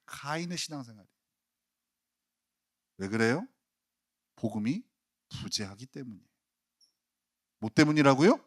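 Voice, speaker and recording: A male pastor preaching a sermon, acting out quoted complaints in a dramatic way and building up in intensity. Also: mid-range voice.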